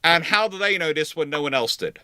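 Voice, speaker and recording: Male history host, forceful and slightly high-pitched, informal, self-correcting, given to emphatic repetition. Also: animated, brisk, clear, resonant tone, no room sound, clean studio sound. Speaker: host of a live history discussion. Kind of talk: informal live discussion of history.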